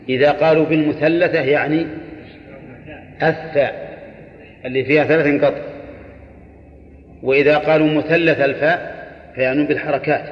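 A man teaching Islamic law in a lecture, often asking his listeners short rhetorical questions. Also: medium pitch. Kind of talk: classroom lecture on a legal text. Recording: echoey hall, dull lo-fi sound.

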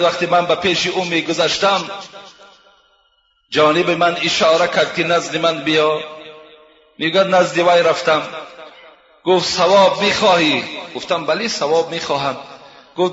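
A man preaching, his voice high-pitched and ringing bright. He retells moral stories in a sermon, tagging lines again and again with "he says." The sound is dull and lo-fi, with a long reverb from a large, echoey hall. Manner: retells tales, repeating "he says" often. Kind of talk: sermon with storytelling.

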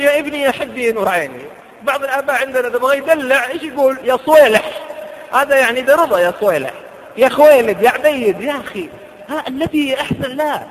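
A man giving a lively sermon full of anecdotes, slowing into a drawn-out chant when he quotes verses. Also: extremely high pitch, in a large hall, low-quality recording. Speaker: preacher.

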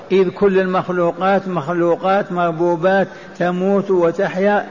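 A man delivering a sermon explaining scripture, emphatic and repetitive, asking rhetorical questions. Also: high-pitched. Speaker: preacher. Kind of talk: Quranic exegesis sermon. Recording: dull lo-fi recording with faint noise.

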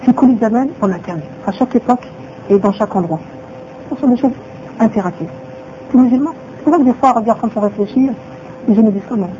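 A woman's voice: a little high, fast, long pauses, mellow, slight background noise. A woman teaching a religious lesson who repeats her phrases and asks rhetorical questions, on a dull lo-fi recording.

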